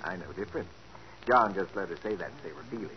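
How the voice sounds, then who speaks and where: A man's voice: sits low, lively intonation, fast talker. An actor playing a chatty male lab assistant who likes to gossip, in a 1940s radio drama with a dull, hissy sound. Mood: gossipy. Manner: gossipy, eager to talk. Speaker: laboratory assistant.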